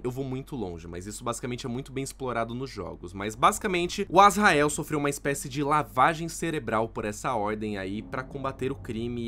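A man's voice: mid-range voice, fairly bright tone, a little hiss or hum. A young adult man with a Brazilian accent, giving a casual, colloquial video commentary and story recap as a YouTube host. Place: small indoor room lined with figurines. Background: background music.

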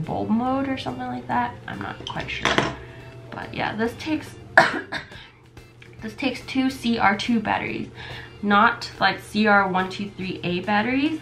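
In a medium-pitched, creaky voice, a vlogger in her twenties shows her gifts to the camera in a casual unboxing video. She has a stuffy nose and is losing her voice, filling her chatter with fillers, while filming indoors in a small bedroom lined with camera shelves.

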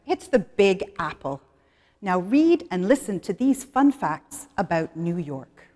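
A middle-aged woman presenting an English lesson, talking slowly and clearly as she guides students through the exercises. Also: mid-range voice, dark tone, long reverb tail. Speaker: English teacher. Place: studio in front of a plain wall.

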